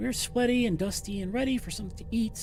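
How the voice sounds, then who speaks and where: A man puts on a high-pitched character voice at a very fast pace. Clear background noise runs underneath. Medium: read story.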